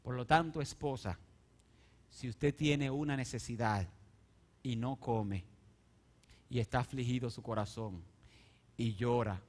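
A man preaching a sermon, swinging from soft, intimate asides to loud, rising appeals and question-and-answer calls to the congregation. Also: mid-range voice, unhurried, pauses often. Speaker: pastor.

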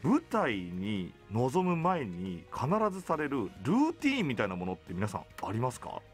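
A man's voice: mid-range voice, wildly swooping pitch, normal speed. A man hosting a radio show, chatting and interviewing attentively at a studio microphone. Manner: attentive, frequent backchannel responses. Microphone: studio boom microphone. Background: soft background music.

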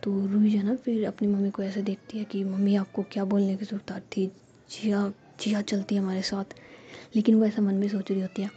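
A woman telling a story in a soft unvoiced whisper, acting out quick lines of dialogue between characters. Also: mid-range voice, monotone. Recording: dull lo-fi sound.

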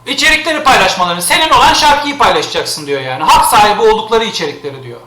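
A man's voice: high voice, lively intonation, fast talker, roomy sound, background noise. A man streaming live, complaining in an exasperated way and repeating himself.

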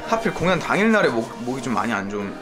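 A young man with a hoarse, worn voice talks quickly in a casual backstage vlog. He speaks close to a handheld camera. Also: medium pitch, sing-song, over loud music. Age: young adult. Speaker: idol group member.

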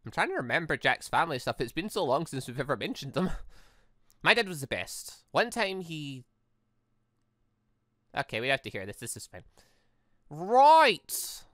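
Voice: mid-range voice, sing-song, moderate pace, pauses often, fairly bright tone, dry recording, studio quality. A gaming host doing let's-play commentary, reading visual novel dialogue aloud with exclamatory, playful asides.

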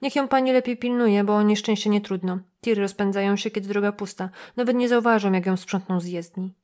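A woman's voice: mid-range voice, a little fast, a little mellow, lightly acted. A woman voicing a nosy, suspicious middle-aged male motel receptionist who lectures and gossips.

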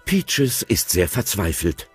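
A man calmly narrating the action in a German audio drama. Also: sits low, takes it slowly, slightly rough, faint music behind. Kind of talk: scripted narration of a radio play.

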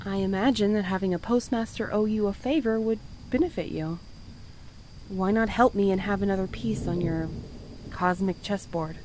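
A woman playing an earnest, guarded and conscientious postal worker in an audio drama, speaking in a measured, articulate way. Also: mid-range voice, a little mellow, a little hiss or hum, lightly acted. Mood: determined. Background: music.

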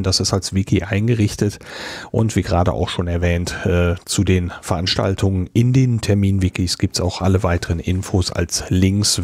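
A man's voice: deep voice, a little mellow, husky, dry recording, clean studio sound. A man co-hosting a podcast, reading out announcements in an informal, orderly way. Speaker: podcast co-host presenting event calendar.

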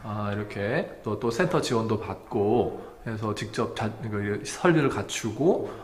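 A man conducting an on-site interview, asking halting, rambling questions in an indoor farm facility. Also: fairly low pitch, animated. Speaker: interviewer visiting an organic farming cooperative. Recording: roomy echo, faint background noise.

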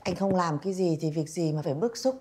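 An actress playing a patient, restrained old woman in a nursing home who calmly placates an angry man. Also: on the low side, fast talker, close to an everyday voice. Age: older. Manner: calm, placating. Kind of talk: TV drama acting.

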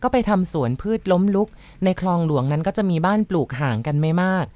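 Woman host, low-set voice, dramatic ghost-story narration, dry close mic. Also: expressive, mellow, dry recording. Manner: measured, dramatic storytelling with polite particles.

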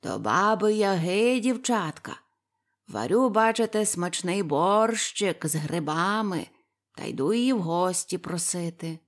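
A woman's voice: on the low side, expressive, unhurried. A woman voicing a sly, jolly old male forest spirit in a storybook reading, with a folksy, chuckling way of talking. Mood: cheerful.

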